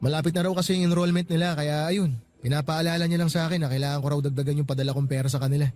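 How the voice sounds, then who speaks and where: A man's voice: fairly high pitch, fairly even intonation, racing, darkish tone, soft background music, lightly acted. A man playing a casual, caring young coworker in a radio drama, talking in a soothing, everyday way. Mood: evasive. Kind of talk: Tagalog radio drama acting.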